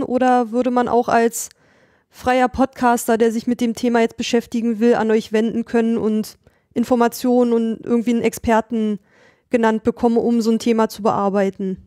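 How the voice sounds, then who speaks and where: A woman's voice: fairly high pitch, mellow, dry recording, studio quality. A woman co-hosting a podcast, putting questions in a casual conversational style.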